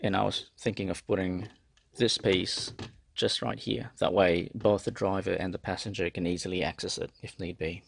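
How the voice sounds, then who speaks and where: A man's voice: low voice, steady tone, moderate pace, vocal fry, breathy edge. A man presenting a casual hands-on how-to tutorial. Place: in and around a car.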